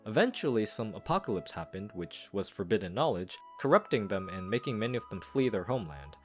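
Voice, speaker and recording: A man's voice: on the low side, very animated, fairly quick. A man giving a casual, explanatory scripted review and lore analysis of a video game story. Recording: background music.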